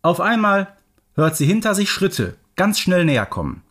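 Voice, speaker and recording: A man narrates a scripted story for children. His voice is fairly high for a man and moves widely up and down, giving the storytelling a very animated shape. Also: normal speed.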